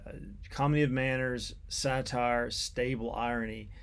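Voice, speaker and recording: A man giving an unscripted academic literature lecture in a halting, deliberate way, repeating words as he explains. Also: mid-range voice, steady tone, gravelly, slight background noise.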